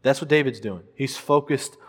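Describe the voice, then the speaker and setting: A man's voice: mid-range voice, moderate pace, husky, big-room sound. A man preaching a sermon, earnest and emphatic, repeating phrases for stress.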